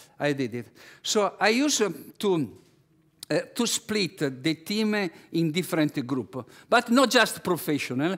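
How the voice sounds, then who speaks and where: A man with an Italian accent, high in pitch, at a fairly slow pace with very wide pitch swings. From Italy. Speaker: basketball coach mentor. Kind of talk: webinar presentation. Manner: halting, many fillers and restarts.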